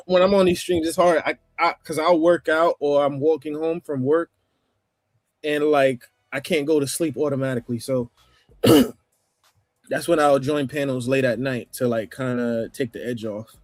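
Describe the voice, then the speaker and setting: A man with a New York accent talking casually on a livestream panel, rambling, with restarts and throat clearing. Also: a little high, steady tone, measured pace, no room sound, studio quality. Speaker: panel guest.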